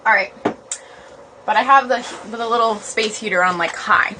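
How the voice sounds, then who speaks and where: On a poor-quality phone livestream with a little hiss or hum, a woman with a high, pushed, bright voice talks at normal speed. She's a yoga blogger, chatty and informal in a small, cold, uninsulated cottage room, stumbling a bit when reading aloud.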